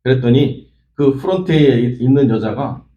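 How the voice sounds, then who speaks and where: A man's voice: mid-range voice, moderate pace, roomy sound, lo-fi sound. A man preaching an early-morning sermon as pastor, telling a story in an earnest way with frequent small fillers. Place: church sanctuary.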